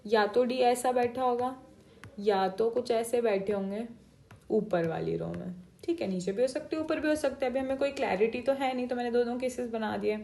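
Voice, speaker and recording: A woman's voice: fairly high pitch, moderate pace, vocal fry, warm tone. A woman teaching an exam-prep reasoning class, explaining each step and mixing Hindi and English. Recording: echoey room.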